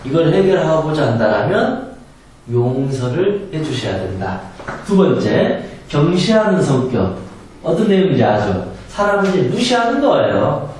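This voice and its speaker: A man giving a spoken lecture on handling anger, emphatic and animated, sometimes acting out angry quotes and laughing. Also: a little high, a little slow. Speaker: meditation and self-help lecturer. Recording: very echoey room from a distance, faint noise.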